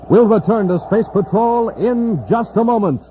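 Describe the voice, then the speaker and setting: A male announcer in a 1950s radio show, pitching products to children and recapping the story. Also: a little slow. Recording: dull old radio broadcast with faint hiss.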